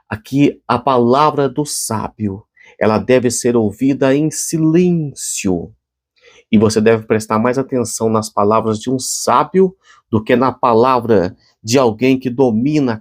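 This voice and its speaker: A man's voice: fairly low pitch, darkish tone. A man with a Brazilian Portuguese accent preaching a short devotional sermon and closing in prayer, speaking earnestly and conversationally with frequent restarts and fillers.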